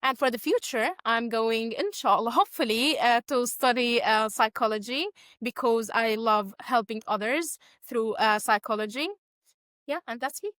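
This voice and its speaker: Clear-voiced young Syrian woman, Arabic accent. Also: a little high, normal speed, a bit bright, no room sound, clean studio sound. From Deir ez-Zor, Syria. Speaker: interview guest, student and cricket coach. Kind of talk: informal self-introduction.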